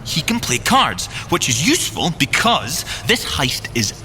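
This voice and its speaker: Animated, boastful young gadget-inventor agent. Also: male voice, fairly high pitch, unhurried, faint music behind, exaggerated voice. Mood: playful, enthusiastic. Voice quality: animated, theatrical delivery. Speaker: agent and engineer character. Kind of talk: banter in an audio drama field report.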